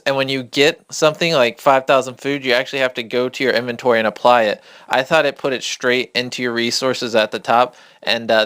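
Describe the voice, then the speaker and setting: Quiet but clear man, dry close sound. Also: medium pitch, no room sound. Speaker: gamer hosting a beginner's tutorial. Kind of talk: casual off-the-cuff game tutorial. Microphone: phone held a couple of inches from the mouth.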